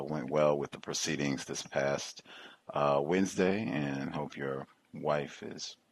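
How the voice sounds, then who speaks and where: Deep-voiced courteous male host. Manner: courteous, formal. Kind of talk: moderating a call-in discussion.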